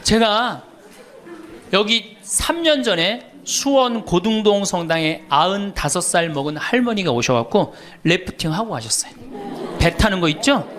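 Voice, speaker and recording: A man's voice: high-pitched, unhurried. A middle-aged man, a Catholic priest, giving a humorous lecture, telling stories and teasing the audience with questions. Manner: animated storyteller, teasing questions to the audience, laughs often.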